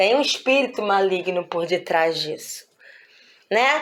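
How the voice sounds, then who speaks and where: Loud, with very wide pitch swings, the voice moves at a fairly slow pace. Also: woman. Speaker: pastor. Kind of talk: Bible study teaching. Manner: loud, sounds like arguing.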